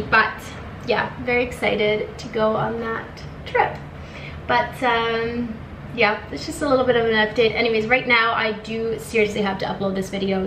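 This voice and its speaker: A woman's voice: mid-range voice, echoey room, background noise. A young woman from Venezuela chatting casually to camera as a lifestyle vlogger, upbeat with many fillers, in her apartment. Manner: chatty, lots of ums and likes, upbeat. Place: bright apartment room, indoors. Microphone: camera in front at desk.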